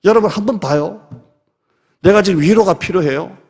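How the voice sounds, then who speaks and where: A middle-aged man from South Korea preaching a Sunday sermon in a conversational way, sometimes dropping to soft near-whispers. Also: sits high, normal speed, vocal fry, husky. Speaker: pastor. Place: church sanctuary. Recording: long church reverb.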